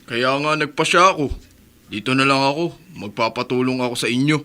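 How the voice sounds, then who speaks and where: A man's voice: mid-range voice, a little fast, bright, forceful tone, close to an everyday voice. An actor playing a polite, respectful young Muslim man newly arrived in the city, in a radio drama. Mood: earnest.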